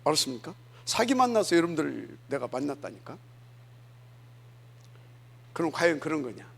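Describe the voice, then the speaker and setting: Male pastor, sermon, gravelly husky voice, slightly high, chatty rhetorical questions. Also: very animated, normal speed. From Jeolla, South Korea. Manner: conversational preaching, rhetorical questions to the congregation. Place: church sanctuary.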